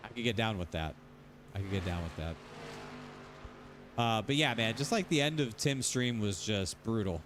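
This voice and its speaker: A man's voice: fairly low pitch, lively intonation, moderate pace, pauses often, background noise. Rambling, cursing streamer guy. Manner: rambling, repetitive, swears freely. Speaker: sim racing streamer. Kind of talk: casual livestream rant.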